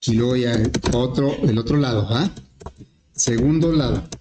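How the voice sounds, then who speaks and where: A male teacher explaining an algorithm step by step in a relaxed lesson, with frequent fillers. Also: mid-range voice, moderate pace. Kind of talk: programming lesson. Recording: echoey classroom with faint noise.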